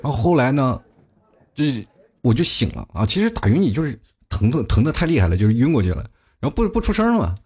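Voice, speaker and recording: Husky, animated comic. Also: male voice, medium pitch, fast talker. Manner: animated, chatty, laughs at his own jokes. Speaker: talk show host. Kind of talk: comic storytelling monologue.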